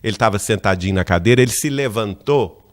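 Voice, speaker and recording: A man from Minas Gerais with a Brazilian Portuguese accent, giving a lecture at a spiritist center. He tells a personal story in a lively way and acts out the lines of the people in it. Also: fairly low pitch, fast. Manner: lively narrator who acts out quoted dialogue, often asks "né?".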